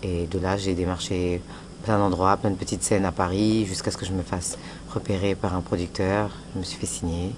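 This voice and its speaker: A very low-voiced woman recounts her career calmly in an interview clip. Clear background noise runs under the recording. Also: moderate pace. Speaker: singer interviewee. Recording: noisy field recording.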